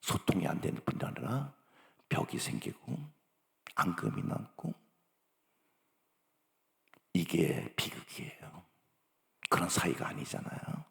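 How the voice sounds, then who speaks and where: A male pastor preaching, acting out parents and children in lively bursts. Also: slow, creaky, long pauses. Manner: acts out parent and child dialogue with sudden high-pitched bursts. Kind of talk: sermon. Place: church sanctuary. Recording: long church hall reverb.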